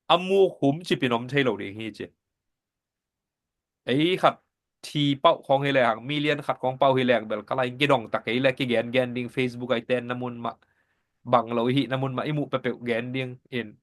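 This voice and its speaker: A man giving a Sabbath School Bible lesson in a steady, explanatory teaching manner. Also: mid-range voice.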